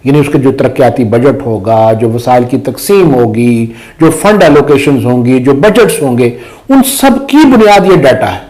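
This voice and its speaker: A man's voice: mid-range voice, expressive, moderate pace, hardly any pauses, darkish tone, rough recording. A man whose first language is Pahari, commenting on politics and making his points with emphatic rhetorical questions. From Azad Kashmir. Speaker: guest commentator. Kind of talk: political discussion.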